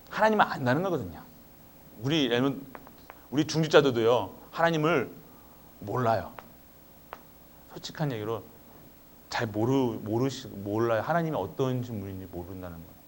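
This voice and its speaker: A man preaching a Friday sermon as pastor in a church, with many rhetorical questions, moving between low quiet asides and raised, emphatic calls. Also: animated, normal speed, long pauses. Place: church sanctuary.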